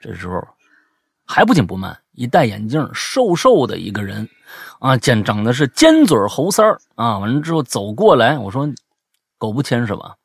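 A man hosting a casual chat show, telling stories in an animated, emphatic way. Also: medium pitch, normal speed, gravelly, slightly rough, dry recording, clean studio sound.

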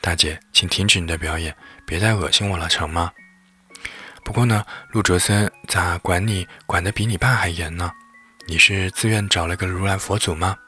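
A man voicing a teasing, sharp-tongued female best friend, blunt and mocking. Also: low voice, fairly even intonation, normal speed, slightly rough, soft background music, heavily acted.

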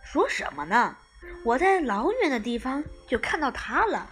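A woman's voice: mid-range voice, huge pitch swings, slow pace, over music. A woman voicing a vain male black cat who shows off, snickers and stammers when rattled. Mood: vain teasing. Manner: showy, sniggering, stammers when flustered.

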